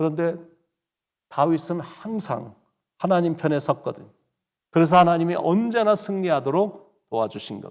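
A man at a high pitch with lively intonation, a fairly slow pace and long, frequent pauses. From Chungcheong, South Korea. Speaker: pastor. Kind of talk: sermon. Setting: online early morning prayer service. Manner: formal.

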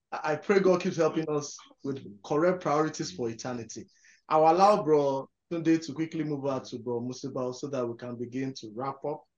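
A man's fairly high voice at a fairly quick pace, with ordinary pitch variation and big swings in loudness. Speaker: program moderator. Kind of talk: panel discussion. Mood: warm, earnest, smiling. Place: studio.

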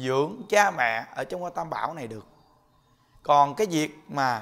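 Speaking at a fairly slow pace, a man has a fairly high pitch. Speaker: Buddhist monk giving dharma talk. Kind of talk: sermon.

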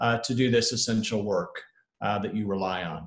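A somewhat breathy man at a fairly slow pace, amid audible room echo. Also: quiet background. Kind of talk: public update address. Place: home room. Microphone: phone near.

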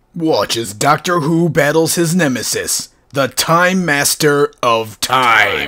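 The speaker uses a middle pitch and a very slow pace, with hardly any pauses. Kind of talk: movie trailer announcer.

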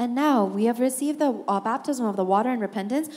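Her plain, everyday voice sits at a fairly high pitch, with ordinary pitch variation and a moderate pace. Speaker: English interpreter. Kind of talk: consecutive interpreting of a sermon. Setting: church.

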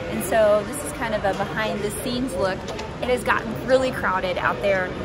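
Loud noise fills the background. The sound is dry, without echo. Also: woman. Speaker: vlogger. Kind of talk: casual vlog chat. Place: hall. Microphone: phone near.

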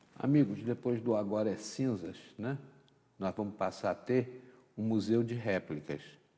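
Dark and mellow in tone, a man speaks at a fairly slow pace. His pitch varies in an ordinary way. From Brazil. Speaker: TV interviewer. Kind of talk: TV interview. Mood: critical, ironic. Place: studio.

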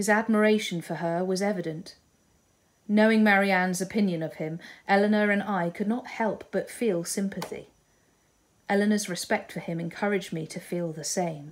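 Against a quiet background, a woman reads at a moderate pace with fairly even intonation. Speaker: comedy performer. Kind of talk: storybook narration with character voices. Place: home room. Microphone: phone near.

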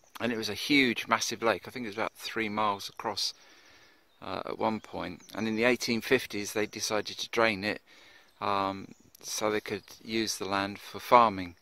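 A man talks at a moderate pace in a bright, sharp tone with monotone, flat intonation, and the sound is dry with no echo. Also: fairly low pitch for a man. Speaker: walker vlogger. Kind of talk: casual vlog chat. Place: forest. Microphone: phone near.

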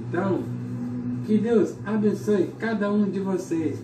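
Noticeable background noise sits behind a man talking. His intonation is lively and his pace very slow. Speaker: radio announcer / live host. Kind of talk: live radio announcer promo. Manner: upbeat, motivational. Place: shop.

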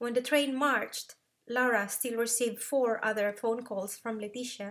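A woman at a moderate pace with fairly even intonation against a quiet background. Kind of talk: book reading. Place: home room. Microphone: webcam.

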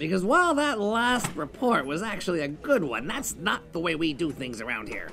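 A man talks in a put-on character voice, pitched high with very wide swings in pitch. His pace is moderate, and background noise is clearly audible. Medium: audio drama. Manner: dry, sarcastic.

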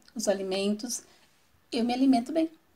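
Her tone dark and mellow, a woman speaks at a high pitch with ordinary pitch variation. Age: 50s. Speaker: beauty and cooking YouTuber; cooking YouTuber. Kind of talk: casual vlog talk to viewers. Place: home room. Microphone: lapel.

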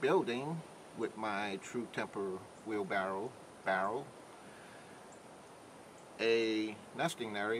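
Noticeable background noise surrounds a man talking at a fairly slow pace in a fairly low-pitched voice. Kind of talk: tutorial. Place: open country. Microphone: camera far.

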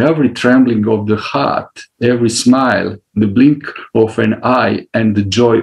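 In a Serbian accent, a somewhat breathy voice moves at a fairly slow pace with ordinary pitch variation against a quiet background. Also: man. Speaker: devotional poet. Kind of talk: reading poetry aloud. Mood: tender, reverent. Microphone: webcam.

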